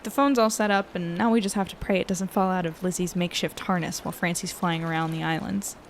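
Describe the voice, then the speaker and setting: A woman playing an earnest, hesitant young woman who is a gentle, loyal friend in an audio drama. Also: on the low side, steady tone, fast talker, slight background noise, lightly acted. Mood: anxious, downcast.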